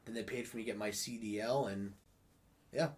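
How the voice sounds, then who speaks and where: A man's voice: fairly low pitch, fairly quick, slight background noise. Stuffed-up young man, laughing, casual. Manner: relaxed, laughs often, swears casually. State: stuffed-up nose from a cold. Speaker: interview guest. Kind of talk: casual chat.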